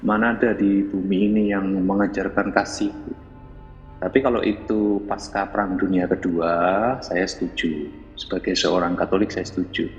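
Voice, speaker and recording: A man making measured, formal arguments in an online religious debate. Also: deep voice, level tone, long reverb tail, dull audio, soft background music. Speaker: debate participant.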